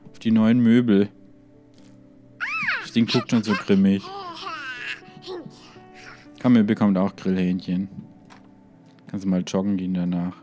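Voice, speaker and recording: A man's voice: low-pitched, flat delivery, a little slow, long pauses, dark tone, soft background music. Chatty man narrating a game playthrough. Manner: chatty, talks to game characters, laughs often. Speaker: let's play host. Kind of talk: casual let's play commentary.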